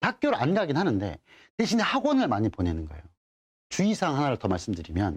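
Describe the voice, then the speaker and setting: Very fast, animated speech over a quiet background. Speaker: math academy director giving parent info session. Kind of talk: information session talk for parents.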